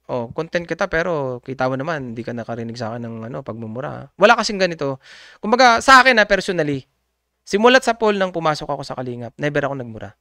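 Gravelly bright-voiced man rambling politely. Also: a little high, animated, fast talker, no echo, clean studio sound. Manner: rambling, full of hesitations and fillers; polite and conciliatory, often laughing. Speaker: community group member addressing viewers. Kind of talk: casual unscripted monologue.

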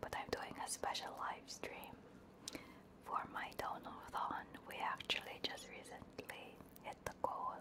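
Slow, hushed woman whispering ASMR. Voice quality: breathy whisper. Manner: slow, halting, casual. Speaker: VTuber streamer. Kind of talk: ASMR livestream chat. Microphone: close binaural ASMR microphone.

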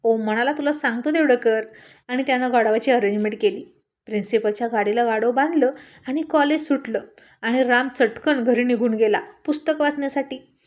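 A woman narrating a scripted romantic storybook, lively and expressive. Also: on the high side.

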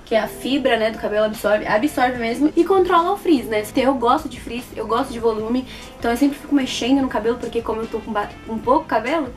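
Casting: Brazilian woman, twenties, high voice, casual and expressive product-review delivery, light music bed underneath. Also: fast talker. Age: 20s. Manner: expressive, repeats words for emphasis. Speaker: beauty vlogger reviewing products. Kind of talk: casual chat to camera. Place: small plain indoor room.

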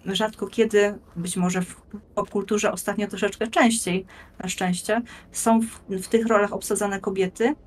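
Measured woman guest, mid-pitched voice. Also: fairly even intonation, slight background noise. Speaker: guest, blogger and game master. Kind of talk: conversational explanatory presentation. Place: plain room indoors, on video call.

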